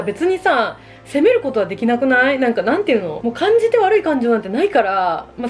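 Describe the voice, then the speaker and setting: Female, 30s, quick and high-pitched, giggly confessional vlogger talking over a meal. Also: a little mellow. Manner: self-deprecating, giggly, acts out imagined remarks. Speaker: solo vlogger. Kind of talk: casual confessional chat, reacting to relatable dating woes.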